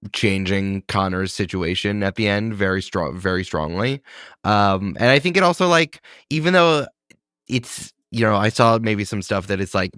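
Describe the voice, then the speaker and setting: A man's voice: low-pitched, a bit bright, no room sound, studio quality. A man in his thirties, a podcast host and game master, talking in a reflective, thinking-aloud way in casual chat. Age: 30s.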